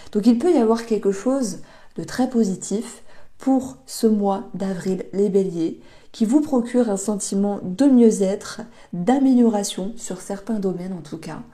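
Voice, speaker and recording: A woman giving a monthly tarot reading, talking gently with many hesitations and restarts. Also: mid-range voice, unhurried. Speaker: tarot reader.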